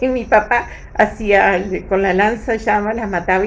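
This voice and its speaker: A woman talks at a moderate pace in a medium pitch. Her intonation stays fairly even against noticeable background noise. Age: 80s+. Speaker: local elder recalling the past. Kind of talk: interview testimony.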